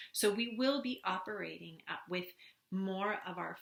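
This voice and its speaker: Speaking at a very slow pace with a California Valley accent, a woman lets her pitch vary in an ordinary way. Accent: California accent, Valley Girl upspeak. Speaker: spiritual teacher. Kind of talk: vlog monologue. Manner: soft-spoken.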